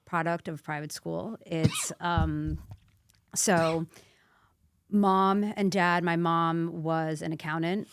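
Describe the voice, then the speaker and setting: A woman with a New York accent, a native Croatian speaker, telling stories in a lively, brash way as a podcast guest. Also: fairly low pitch, slow, clear, resonant tone. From Astoria, Queens, New York. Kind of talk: casual interview chat.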